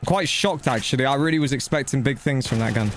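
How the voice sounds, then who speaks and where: A man's voice: medium pitch, fast, a little hiss or hum. A man giving casual live gameplay commentary and chatting to viewers, blunt, slangy and matey, with some swearing. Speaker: video game streamer.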